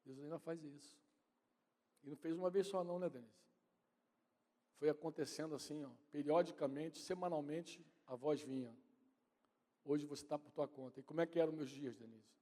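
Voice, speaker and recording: High-voiced Brazilian pastor in an echoing church. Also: male voice, a little fast, dark tone. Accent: Brazilian Portuguese. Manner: conversational, addresses congregation and wife directly. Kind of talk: sermon. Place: church hall.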